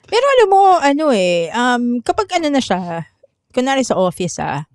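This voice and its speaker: A woman's voice: fairly high pitch, very animated, moderate pace, clear, resonant tone, dry recording, studio quality. A woman with a Filipino accent co-hosting a podcast in casual chat, laughing often and acting out quotes. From Philippines. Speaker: podcast co-host.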